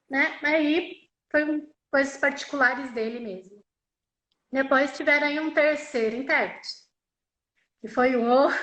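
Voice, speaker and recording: Here a woman's high, somewhat bright voice carries a deaf signer's personal story, interpreted live in the first person. She talks conversationally, often using tag questions and repeating phrases, in an echoey room with a rough recording.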